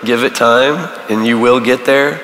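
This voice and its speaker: A man teaches a church recovery group in a casual, halting way, full of ums and uhs, his voice going hoarse. His voice rings through a large hall with a long, roomy reverb. He sits at an ordinary middle pitch. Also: fairly bright tone. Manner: casual, halting, many fillers. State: losing his voice.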